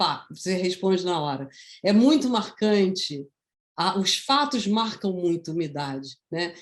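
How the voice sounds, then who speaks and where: At a fairly slow pace, a plain, everyday voice speaks with lively intonation. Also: woman, medium pitch for a woman. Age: 60s. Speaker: author. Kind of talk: public talk with audience Q&A. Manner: conversational.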